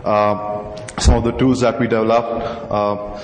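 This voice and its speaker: A man's voice: fairly low pitch, flat delivery, unhurried. A young man with an Indian accent giving a technical conference talk in a large hall at a podium mic, full of hesitant fillers. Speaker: conference presenter. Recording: echoey hall, faint noise.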